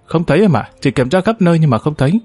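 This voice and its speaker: A man voicing the sharp-tongued, scolding middle-aged wife of a boss in an audiobook. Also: fairly high pitch, lively intonation, quick pace, slightly rough, dry recording, pitched above the performer's own voice.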